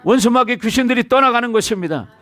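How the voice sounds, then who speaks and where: A high-pitched man preaches a sermon, repeatedly prompting his congregation for answers and amens. His voice is captured close and dry, with almost no room sound around it. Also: lively intonation, quick pace, a bit bright, no room sound. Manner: preaching with call-and-response to the congregation. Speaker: senior pastor. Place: church sanctuary.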